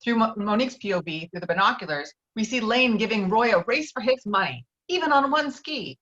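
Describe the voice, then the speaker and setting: A woman's voice: a little high, animated, a little fast, a bit bright. A woman reading screenplay stage directions as scripted narration, heard through slightly dull online audio.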